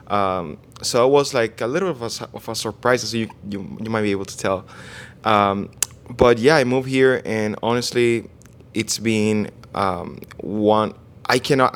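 Halting Venezuelan man, lowish voice. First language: Spanish. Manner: halting, searches for words, many restarts. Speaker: guest, online fitness coach. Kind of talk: casual interview.

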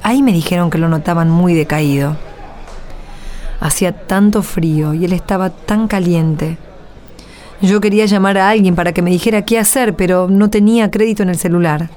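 A woman's voice: lowish voice, normal speed, dark tone, natural voice. A woman playing a worried, weary young mother in a radio drama, speaking hesitantly with an Argentine accent. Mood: troubled, weary. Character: Jimena, worried poor young mother, humble, weary, grateful.

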